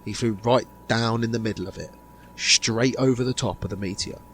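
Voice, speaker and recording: A man playing a grave insider revealing a sinister conspiracy in an amateur audio drama, speaking deliberately with dramatic pauses. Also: medium pitch, fairly bright tone, a little hiss or hum, natural voice. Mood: grave, bewildered.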